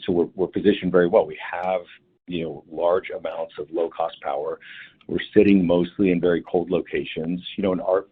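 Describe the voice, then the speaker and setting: A male company executive answering analysts on an earnings call, talking in a halting way with many restarts and fillers. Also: low-pitched, breathy edge. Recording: phone line audio.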